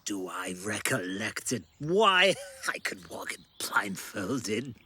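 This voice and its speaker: An old miser, wildly swinging voice. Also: male voice, fairly low pitch, sing-song, slow, slight background noise, exaggerated voice. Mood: moved, eager. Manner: dramatic, swinging from hushed murmurs to exclamations. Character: old miser Scrooge, wistful and excitable, moved by memories. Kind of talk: theatrical audio drama acting.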